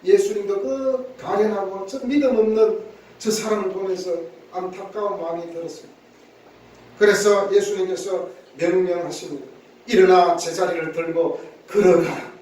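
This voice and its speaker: A man's voice: high-pitched, a little mellow. A man, a pastor, preaching an earnest sermon, often repeating words and acting out quotes. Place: church sanctuary. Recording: echoey church hall, mic at a distance.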